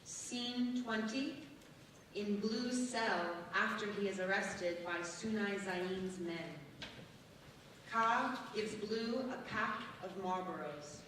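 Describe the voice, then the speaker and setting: Casting: female stage-direction reader, unhurried scripted delivery, distant in a reverberant hall. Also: mid-range voice, fairly bright tone. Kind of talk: scripted narration at a staged reading. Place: large echoing hall, staged reading. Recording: very echoey hall, distant mic, faint noise.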